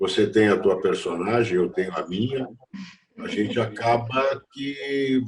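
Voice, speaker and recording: Somewhat breathy and medium in pitch, this man's voice moves at a very slow pace. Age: 70s. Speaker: actor and director. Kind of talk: interview.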